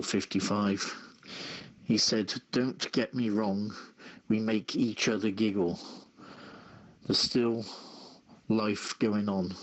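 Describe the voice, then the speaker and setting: A man hosting a casual talk show, reading news and chatting in a halting, measured way. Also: on the low side, poor audio. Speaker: show host.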